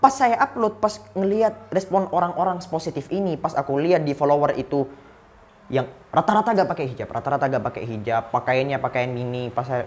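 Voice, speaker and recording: Very wide pitch swings mark speech that moves at a fairly quick pace. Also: man. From Bangkalan, Madura, Indonesia. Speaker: social media preacher. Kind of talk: casual chat.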